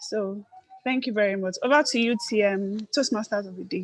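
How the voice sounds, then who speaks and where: Speaking at a moderate pace, a woman has a plain, everyday voice pitched fairly high. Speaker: speech evaluator at a public speaking club. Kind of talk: speech evaluation.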